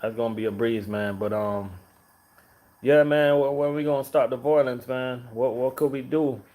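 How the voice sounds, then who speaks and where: A man's voice: mid-range voice, moderate pace, dark tone. A laid-back man from Jamaica, chatting casually and rambling to viewers on a live stream, full of fillers and repeated questions to his audience. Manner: laid-back, rambling, many fillers and "you know what I mean".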